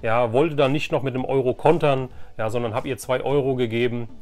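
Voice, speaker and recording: His voice is mid-range, a little mellow, and steady in tone, moving a bit fast. The middle-aged host of a vintage toy collecting channel rambles eagerly through a casual flea market haul vlog from a room at home.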